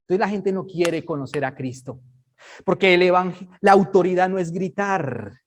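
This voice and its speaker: A man's voice: high-pitched, expressive, moderate pace. Brief: male preacher, chatty, emphatic teaching tone. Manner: conversational, emphatic, checks listeners understand. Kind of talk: Bible study sermon.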